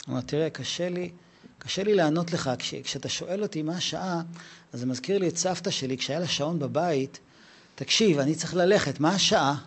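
A middle-aged man teaching Torah to a live audience, animated and conversational, acting out dialogues with a raised voice. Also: fairly high pitch, slightly rough.

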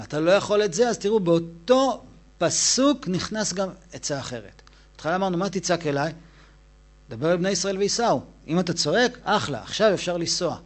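Soft-spoken man teaching Torah, rising and falling. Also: fairly high pitch. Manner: soft-spoken, drops to a hush, then rises with emphasis. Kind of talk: Hasidic Torah lesson.

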